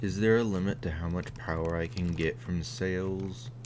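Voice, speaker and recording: Quiet and at a fairly slow pace, a man speaks with a very deep, low pitch and ordinary pitch variation, with audible room echo. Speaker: gaming streamer. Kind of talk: live gameplay commentary.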